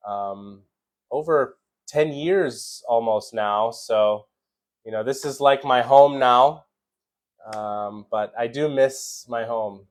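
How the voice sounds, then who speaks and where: Slow-talking American man hosting a live stream. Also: medium pitch. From Chicago, USA. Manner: relaxed, greets viewers by name, many fillers. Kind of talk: casual live-stream chat.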